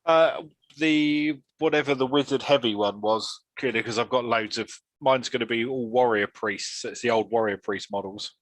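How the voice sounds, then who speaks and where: A man co-hosting a casual hobby chat in a relaxed, joking way. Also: medium pitch, normal speed, dry recording, low-quality recording. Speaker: podcast co-host.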